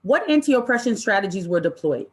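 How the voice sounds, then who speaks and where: A woman's voice: medium pitch, sing-song. Emphatic woman leading a workshop. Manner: emphatic, deliberate, with rhetorical questions and repetition. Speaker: presenter leading a training session. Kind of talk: impassioned interactive workshop talk to an online audience.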